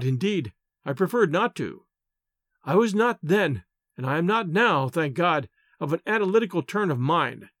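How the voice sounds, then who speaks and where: A man's voice: high-pitched, no room sound, clean studio sound. A man reading scripted first-person literary narration as an audiobook narrator.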